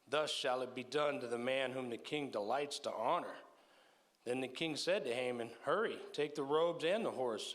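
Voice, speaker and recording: A man with a Texan accent reading a Bible passage aloud during a church service, at a measured, unhurried pace. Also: medium pitch, a bit bright. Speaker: scripture reader.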